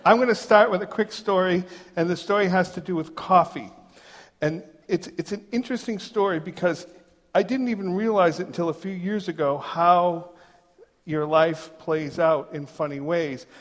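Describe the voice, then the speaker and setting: A man from New Hampshire, a pastor who gives a chatty sermon full of personal stories, and he slows down to read quotations. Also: sits high. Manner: conversational and joking, reads quotes slowly. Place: large church sanctuary. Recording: long reverb of a big hall.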